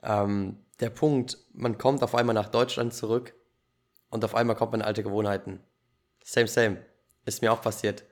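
A man hosting a podcast, telling his own story in a lively, casual way with youthful slang. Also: lowish voice, normal speed. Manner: animated storytelling, laughs easily, youthful slang. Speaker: podcast host.

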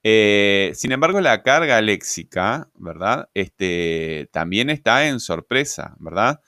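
A man's voice: fairly low pitch, big pitch swings, slow, bright, forceful tone, dry recording, clean studio sound. A man giving a grammar lecture, explaining patiently and checking in with "¿verdad?" and "este". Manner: explanatory, asks rhetorical questions, frequent "¿verdad?" and "este" fillers. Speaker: grammar teacher.

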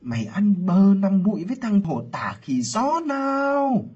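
A man voicing a sharp-tongued, doting elderly village matriarch who scolds and wails theatrically. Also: sing-song, fairly quick, breathy edge, heavily acted. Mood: shrieking lament. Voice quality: shrill wailing scolding. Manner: theatrical lamenting cries. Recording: lo-fi with faint music.

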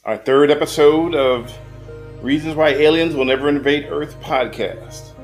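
Male podcast host, slightly high voice, chatty and a touch flustered, video call, faint music bed. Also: unhurried, rough recording. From United States. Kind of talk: casual online interview.

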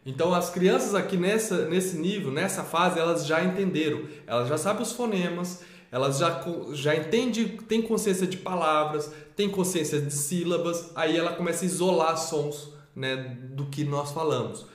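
Male presenter, higher pitch, echoey room; patient step-by-step explainer. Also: moderate pace, few pauses. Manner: explains step by step, asks rhetorical questions. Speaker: teacher presenting a literacy method. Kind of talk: explanatory online lesson.

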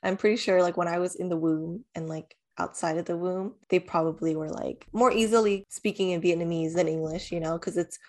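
A woman's voice: fairly low pitch, steady tone, brisk, hardly any pauses, a little mellow. A young woman co-hosting a podcast, chatting casually with many "like" fillers and easy laughs. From United States. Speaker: podcast co-host. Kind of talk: casual chat.

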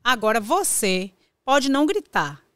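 A woman's voice: on the high side, very animated, unhurried, fairly bright tone, clear, resonant tone, no echo, studio quality. A woman guest in a casual chat, teasing and warning emphatically about a hard training class.

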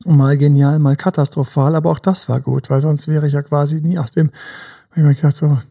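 Slightly high and a little fast, this man's voice is level, warm, and a bit rough, with vocal fry. He's a dating coach reflecting casually on a podcast, performing advice to his younger self, at times whispering and mixing in English words.

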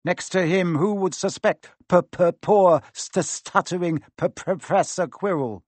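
A coolly menacing schoolmaster villain, acted by a male narrator. The voice is sharp, smug and deliberate, a shade high and very dry. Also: dry recording. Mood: mocking. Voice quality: cold, sharp. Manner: cool, mocking, deliberate.

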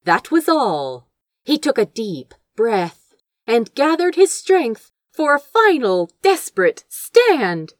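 A woman narrates a story in a high voice with hugely animated intonation. She takes an unhurried pace and reads with theatrical expression. The sound is dry and close. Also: no echo. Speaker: audiobook reader of fan fiction. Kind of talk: dramatic scripted narration, fiction read aloud.

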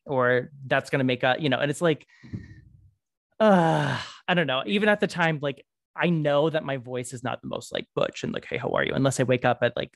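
A man hosting a podcast, telling his own stories in a chatty, quick way with lots of "like" and quoted voices. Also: medium pitch, dry recording, studio quality. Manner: chatty, fast storytelling with lots of "like" and acted-out quotes. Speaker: podcast host; singer and performer. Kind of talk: casual chat.

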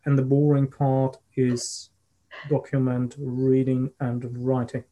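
A man with a German accent answering interview questions as an expert guest, speaking in a measured, halting way. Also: medium pitch, flat delivery, warm tone, rough recording. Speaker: guest, risk and crisis management consultant.

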